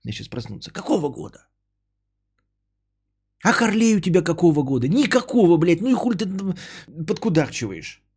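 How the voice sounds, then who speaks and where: A man's voice: sits high, sing-song, normal speed, pauses often, a little mellow, breathy edge. A man hosting a podcast, chatting casually with his live chat in a rambling, profane, worked-up way.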